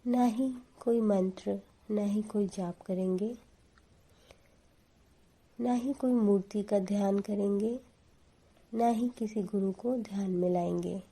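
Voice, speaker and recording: A woman giving guided meditation instructions in a calm, soothing, deliberate manner. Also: mid-range voice, husky.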